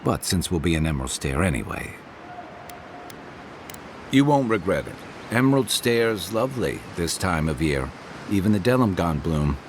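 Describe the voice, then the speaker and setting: An easygoing adventurer companion from a fantasy video game. The voice sits very low yet moves with animated intonation. He is wry, teasing and reflective, with ambient noise behind him. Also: moderate pace. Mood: reflective, hesitant, then playful, warm. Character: easygoing wry male adventurer companion, weathered but good-humoured. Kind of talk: naturalistic video game dialogue.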